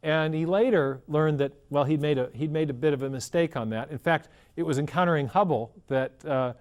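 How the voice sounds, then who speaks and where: A man's voice: a little high, brisk, a little mellow. A man as an interview guest, explaining in an earnest, storytelling way and often restarting his phrases. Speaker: guest scholar.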